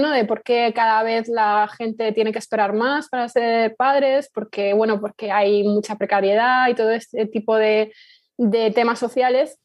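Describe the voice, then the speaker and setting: Female guest for a casual interview, slightly high and very even in tone, explanatory, dry recording. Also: no room sound, lo-fi sound. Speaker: fiction podcast writer, interview guest.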